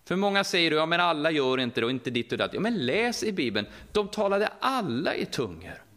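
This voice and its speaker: The speaker is a middle-aged man from Västergötland, Sweden, whose accent marks his lively sermon. He talks conversationally and often asks the audience questions, his voice pitched on the high side.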